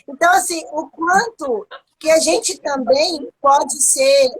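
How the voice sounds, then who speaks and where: A middle-aged Brazilian woman hosting a casual live chat, telling stories in an animated way with many restarts. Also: high voice, takes it slowly. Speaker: host.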